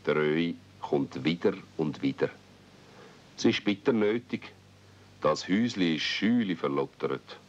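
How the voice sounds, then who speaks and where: Very deep-voiced Swiss German storyteller, male. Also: lively intonation, a little slow. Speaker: narrator. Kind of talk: scripted radio-play storytelling in dialect. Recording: dull 1970s radio-play recording.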